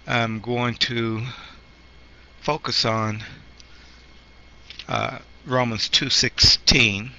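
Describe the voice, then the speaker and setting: Slow gravelly man leading a Bible study. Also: mid-range voice, level tone, bright, forceful tone. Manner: slow, halting, with frequent throat clearing and fillers. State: coming down with a cold. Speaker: pastor. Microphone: handheld microphone. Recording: muffled lo-fi recording with faint noise.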